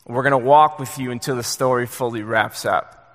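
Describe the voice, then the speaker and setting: A young adult man preaching a sermon in a church, earnest and halting, with many fillers and restarts. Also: medium pitch, fairly even intonation, fairly bright tone. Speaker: pastor. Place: church sanctuary. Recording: long hall reverb.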